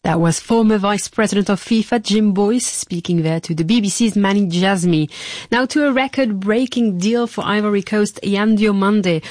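A woman presenter reading scripted sports news in a brisk, even newsreader style. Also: mid-range voice, dry recording.

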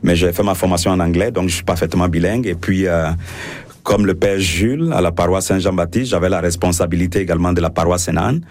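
A man's voice: low-pitched, fast talker, a little mellow. A French-speaking man, a priest, answering radio interview questions with many fillers and restarts.

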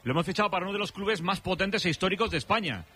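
A man from hosting a radio show, chatting and teasing his guests with quick jokes. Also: high voice, lively intonation, sharp tone, breathy edge. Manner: jokey, teasing, fast-talking. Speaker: radio host. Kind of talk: lively radio chat.

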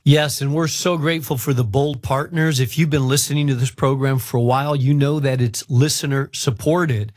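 A man's voice: medium pitch, steady tone, normal speed, few pauses, darkish tone. A man from Spain, a pastor and radio host, speaking in a conversational promotional style.

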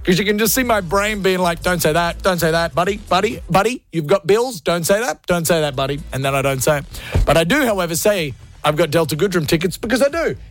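A man with a high voice talks fast and expressively as he hosts a radio show from the studio. He's hyped and jokey, poking fun at himself throughout the energetic banter.

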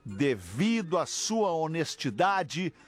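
Jokey radio host, man, high voice, reads emails aloud. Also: very animated, slow, faint music behind. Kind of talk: casual banter on a radio show.

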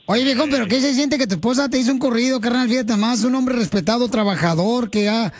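A man's voice: very high-pitched, fast. A man hosting a radio show from a studio, joking and teasing his callers in playful casual chat. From Mexico. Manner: teasing, playful, loud and laughing.

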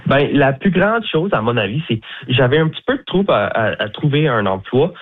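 Over a tinny phone line, a young bilingual botanical garden guide from Newfoundland, Canada, answers interview questions. His mid-range voice is very animated and brisk, and he's chatty yet hesitant, using lots of fillers.

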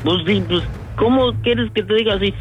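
A man's voice: high-pitched, moderate pace, soft background music. A man from Michoacán, a detained son on a phone call who sounds confused and keeps insisting on answers. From Michoacán, Mexico. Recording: muffled phone line.

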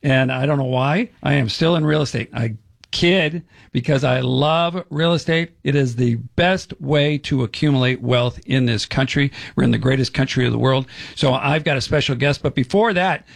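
Gravelly-voiced man hosting a radio show. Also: mid-range voice, normal speed. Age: middle-aged. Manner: jokey, upbeat, chatty. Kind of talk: casual radio talk show.

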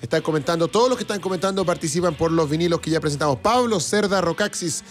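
A man's voice: on the high side, quick pace. A Chilean man co-hosting a live music stream, chatting casually and reading viewer comments aloud. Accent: Chilean Spanish.

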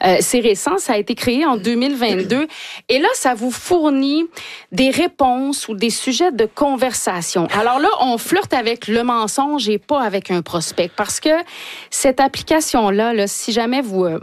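A woman's voice: a little high, animated, moderate pace, no echo. A woman, presenting a chatty radio segment as a columnist.

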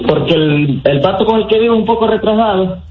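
A man's voice: high voice, animated, fairly quick. A man on the phone as the target of a prank, blunt and confused, firing back retorts. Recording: muffled lo-fi phone audio with faint music.

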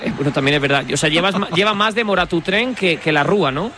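A man's voice: sits high, lively intonation, quick pace, sharp tone, slight background noise. A man hosting a sports radio show, bantering with his co-host and steering the conversation. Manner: easygoing, bantering, steers the talk. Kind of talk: casual radio chat.

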